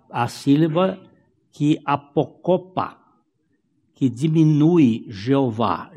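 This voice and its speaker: Slow, emphatic preacher. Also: male voice, darkish tone, breathy edge, long reverb tail. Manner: explains slowly, repeats phrases, rises in pitch for emphasis. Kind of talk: Bible study sermon.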